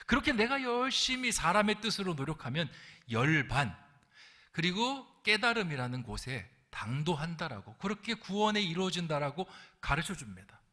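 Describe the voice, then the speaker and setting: A man's voice: on the high side, very animated, moderate pace, pushed and bright. A male lead pastor preaching a sermon in a church, telling a funny story and asking rhetorical questions. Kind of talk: sermon with humorous anecdote. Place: church sanctuary.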